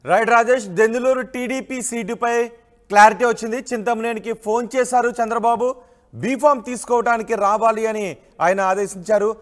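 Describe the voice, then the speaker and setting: High-pitched male news anchor. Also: steady tone, moderate pace. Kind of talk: live news anchoring, questioning a field reporter.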